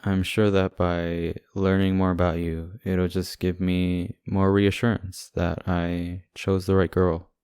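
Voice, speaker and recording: A man's voice: deep voice, flat delivery, slow, hardly any pauses, a little mellow, clean tone, no echo, studio quality. A man playing a devoted, protective boyfriend in an ASMR audio roleplay, talking casually and conversationally. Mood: tender, reassuring.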